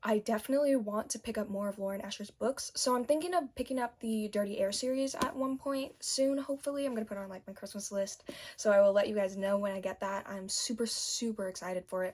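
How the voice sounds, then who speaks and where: A woman speaks at a very fast pace with hardly any pauses. Her pitch is fairly high, with ordinary variation. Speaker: booktuber. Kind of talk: casual vlog book review. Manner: fast, filler-heavy.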